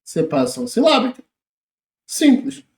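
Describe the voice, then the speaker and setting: A man's voice: very high voice, huge pitch swings, normal speed, reverberant. A man with a Brazilian accent teaching a lesson, informally talking through exam questions step by step and asking rhetorical questions. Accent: Brazilian Portuguese. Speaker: Portuguese teacher.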